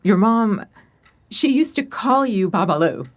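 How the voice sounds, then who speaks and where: A woman playing a kindly middle-aged former therapist in an audio drama, gentle, effusive and a little hesitant, in naturalistic conversation. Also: mid-range voice, expressive, measured pace, natural voice. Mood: tender. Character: kindly older woman, former therapist, friend of a late mother.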